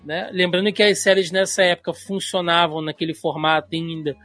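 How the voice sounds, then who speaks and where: A Brazilian podcast co-host, a man in his thirties speaking Carioca Portuguese, chats casually and explains at length with many "né" fillers and tangents. His high, sharp voice stays level in tone and moves at a brisk pace. Faint music plays behind him.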